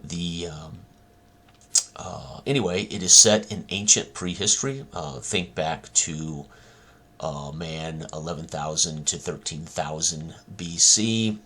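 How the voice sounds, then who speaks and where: A man presenting his own tabletop roleplaying game in casual talk, halting with many ums and uhs. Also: low voice, pushed and bright.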